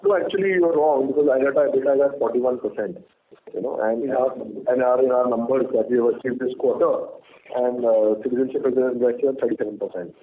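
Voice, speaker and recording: A man's voice: mid-range voice, fairly even intonation, brisk. A man with an Indian accent answering questions as a company executive on an earnings call, firm and given to repeated filler phrases. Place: conference call by phone. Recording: tinny phone line with noise.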